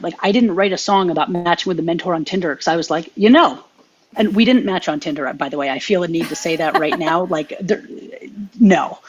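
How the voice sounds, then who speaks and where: Husky-voiced woman on a lo-fi line. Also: on the low side. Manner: earnest, animated advice-giving. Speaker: podcast co-host. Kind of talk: casual chat.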